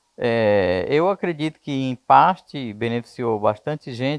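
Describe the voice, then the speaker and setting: In a dry, close recording with no echo, a man's pitch swings very widely. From Maranhão, Brazil. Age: 60s. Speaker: interviewee, settler. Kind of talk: oral history interview. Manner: halting.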